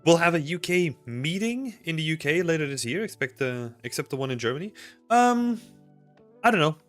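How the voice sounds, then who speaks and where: A fairly high-pitched, animated man talks at a normal pace over faint background music. He's a Belgian in his thirties hosting a livestream, loosely rambling with lots of fillers as he responds to chat. He uses a desk mic and headphones in a small room at home.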